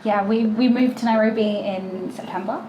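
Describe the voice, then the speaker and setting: A woman's voice: medium pitch, steady tone, normal speed, warm tone. A woman, chatting casually as an interview guest, giggly and full of ums. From London, UK. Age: 20s. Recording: echoey room, faint background noise.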